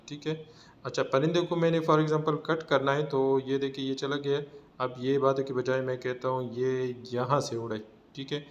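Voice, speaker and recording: A man with a South Asian accent gives a casual software tutorial, explaining informally step by step. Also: medium pitch, dull audio. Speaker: tutorial presenter. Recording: noticeable background noise.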